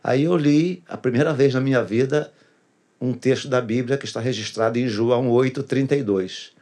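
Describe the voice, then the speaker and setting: A man's voice: medium pitch, moderate pace, warm tone. A pastor tells his personal testimony in a casual interview, earnestly repeating phrases for emphasis.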